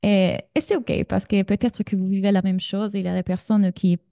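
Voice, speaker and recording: A woman's voice: mid-range voice, fairly even intonation, normal speed, creaky, dark tone, dry recording, clean studio sound. A woman from Sardinia in her thirties with an Italian accent, leading a live online masterclass as a business coach and chatting directly with her audience. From Sardinia, Italy.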